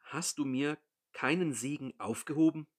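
A man's voice: on the high side, moderate pace, pitched above the performer's own voice, lightly acted. A man voicing a bitter grown son, a hunter, who pleads earnestly with his father. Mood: pleading.

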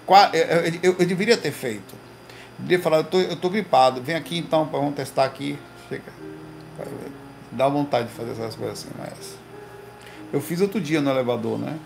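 A man hosting a casual livestream from his home, telling slangy, animated stories to his viewers. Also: a little high, a little fast, creaky, over music, rough recording. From Recife, Brazil. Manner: slangy, animated storytelling with lots of "velho" and "cara". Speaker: livestream host. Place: home room.

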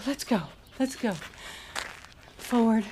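A woman's voice: on the high side, slow, noisy background. A woman voicing a blind woman with a guide dog in a comedic cartoon, calling out anxiously and pleading.

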